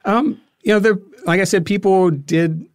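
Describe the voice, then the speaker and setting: A man's voice: sits high, moderate pace, dry recording. A man giving a conversational explanation as an interview guest, choosing his words hesitantly and thoughtfully. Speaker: interview guest, filmmaker and podcast creator.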